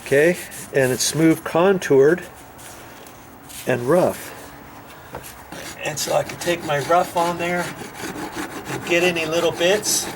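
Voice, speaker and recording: Male DIY host, folksy and rambling, slightly high voice, unhurried delivery, noisy work recording. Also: fairly even intonation. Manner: folksy, rambling, asks and answers own questions. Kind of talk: casual hands-on tutorial talk. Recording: noisy, tool rasping and scraping sounds.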